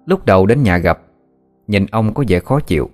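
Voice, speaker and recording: A man narrating a ghost story in a calm, even way. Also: lowish voice, moderate pace. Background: faint music.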